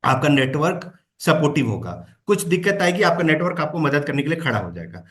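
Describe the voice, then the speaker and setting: A man's voice: fairly high pitch, sing-song, a little fast, a bit bright. A man giving a motivational talk as a trainer, mixing English phrases into Hindi and often checking in with "है ना?". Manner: coaching, with frequent "है ना?" check-ins.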